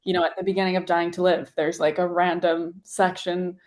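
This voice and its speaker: Young woman, singer-songwriter guest, slightly low voice, loose and chatty with constant "like" fillers. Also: little pitch movement, fairly quick, darkish tone. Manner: chatty, heavy use of "like" fillers. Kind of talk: casual interview chat.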